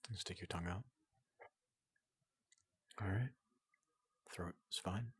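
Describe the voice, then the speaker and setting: Guy doing a gentle robot doctor asmr, super husky and breathy, low voice, dry close mic, soothing checkup talk. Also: slow pace, no echo, full character voice. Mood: calmly clinical. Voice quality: breathy, gravelly, often dropping into whisper. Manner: gentle, hesitant, soothing, clinically polite. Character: tall, gentle robot doctor examining an organic patient. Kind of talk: soft ASMR roleplay. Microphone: close microphone.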